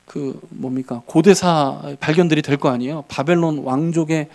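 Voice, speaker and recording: A male pastor preaching a midweek church sermon, animated, acting out quotes and asking the congregation rhetorical questions. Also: a little high, moderate pace, creaky. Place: church service.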